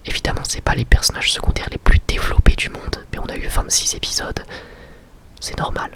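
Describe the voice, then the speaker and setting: A young adult man gives an informal, slangy ASMR review in a breathy, unvoiced whisper. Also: brisk. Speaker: ASMR creator and anime reviewer.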